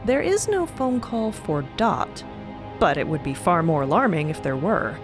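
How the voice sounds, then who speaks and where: A woman narrating a scripted story as co-narrator in a measured, deliberate way. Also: lowish voice, very animated, over music.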